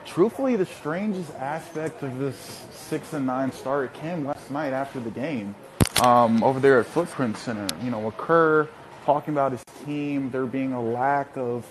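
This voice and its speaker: Male sports reporter on a video call from an airport, mid-pitched and measured, light ambient noise. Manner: steady, measured analysis with frequent fillers. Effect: heard over a video call. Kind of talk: analytical sports discussion. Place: airport terminal. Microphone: laptop or phone on a video call.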